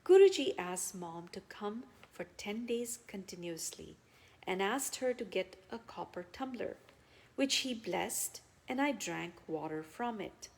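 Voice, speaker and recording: A woman reads a written account aloud at a very slow pace. She moves through it phrase by phrase in a measured way, pausing often, in a mid-range voice. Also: medium pitch, lively intonation, vocal fry, darkish tone. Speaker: reader of devotional testimonials.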